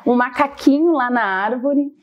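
A woman's voice: high-pitched, moderate pace, lo-fi sound, a crowd in the background. A middle-aged woman with a southern Brazilian accent, talking conversationally about her own experience as an interview guest. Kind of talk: conversational personal testimony.

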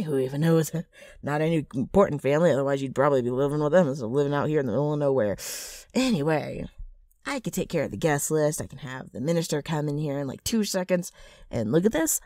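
A woman playing a brash, mischievous ghoul with a rough, gravelly voice and a wheedling, sardonic manner in an ASMR roleplay. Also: deep voice, a little mellow, no room sound, studio quality. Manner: wheedling, sardonic, drawling with abrupt swings.

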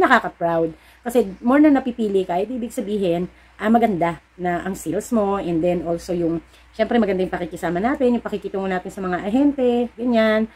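A woman's voice: medium pitch, darkish tone. A middle-aged woman, talking casually to her viewers as a store owner, telling stories and giving encouraging pep talks. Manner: chatty, storytelling with acted-out dialogue; encouraging, preachy pep talk. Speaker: vlogger and sari-sari store owner.

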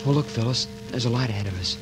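A man's voice: medium pitch, quick pace, music in the background, natural voice. An actor playing a protective young man who talks steadily and reassuringly through danger, in 1940s radio acting. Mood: tense.

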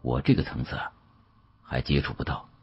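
A man narrating an audiobook as a dramatic first-person story, in a husky storyteller's voice. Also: very deep voice, little pitch movement, normal speed, lo-fi sound, slight background noise.

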